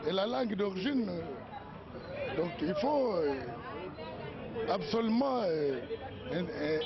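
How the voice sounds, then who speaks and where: Firm high-voiced man. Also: animated, takes it slowly, vocal fry. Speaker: street interviewee. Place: busy street outdoors. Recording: dull lo-fi street recording with crowd.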